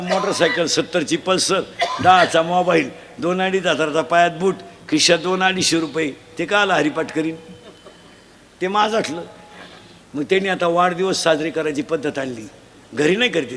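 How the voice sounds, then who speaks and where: High, bright-voiced man preaching a comic sermon. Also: moderate pace. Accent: Marathi. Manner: shouts questions for children to answer back. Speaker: kirtan preacher. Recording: live event, faint crowd and noise.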